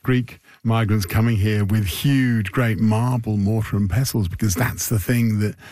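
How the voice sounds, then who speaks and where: Male host, low voice, mellow tone, dry sound, conversational questions. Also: steady tone, no echo. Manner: conversational, reflective, halting restarts. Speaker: interviewer host. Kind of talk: interview.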